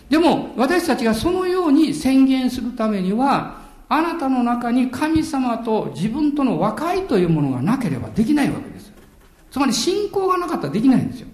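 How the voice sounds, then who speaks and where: An older man preaching a sermon, telling stories with dramatic pauses and chuckles. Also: extremely high pitch, darkish tone, reverberant. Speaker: pastor.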